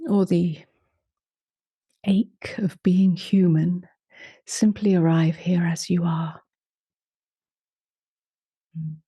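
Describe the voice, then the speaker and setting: A woman leading a guided meditation in a soft, slow voice, humming between phrases and often trailing into a whisper. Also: fairly low pitch, slightly rough, no echo, clean studio sound. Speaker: meditation teacher.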